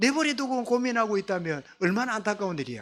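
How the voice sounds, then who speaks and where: A man in a Gyeongsang accent, his pitch swinging very widely. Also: very clean recording, silent background. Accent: Gyeongsang dialect, softer than typical. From Gyeongsang Province, South Korea. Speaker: pastor. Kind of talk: sermon. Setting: church. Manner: conversational, asks the congregation questions.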